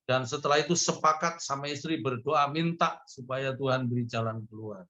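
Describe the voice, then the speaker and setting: A man's voice: normal speed, pushed and bright, muffled recording. A male pastor, preaching through stories and acting out the people in them with a raised voice. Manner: storytelling, acts out a man pleading in a high voice. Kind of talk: sermon over video call.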